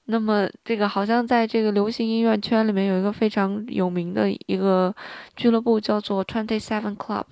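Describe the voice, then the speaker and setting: A woman with a hoarse, gravelly voice, hosting a music show in a casual, conversational way that speaks directly to listeners. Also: mid-range voice, darkish tone, no echo. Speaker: music podcast host.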